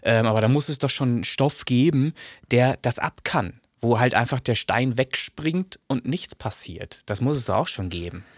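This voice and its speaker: A man's voice: mid-range voice, animated, moderate pace, no echo, studio quality. A man co-hosting a casual podcast, talking with some hesitation and lots of fillers. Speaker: podcast co-host; sound engineer. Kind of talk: casual chat.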